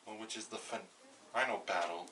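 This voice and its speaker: A bright, forceful male voice put on by a man for a matter-of-fact planner in a fan cartoon. He explains haltingly, doubling back on words, a little away from the mic with faint noise. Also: on the low side. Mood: explaining. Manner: hesitant, explanatory, repeats words. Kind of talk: amateur fan-made cartoon voice acting. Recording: slightly distant mic, faint background noise.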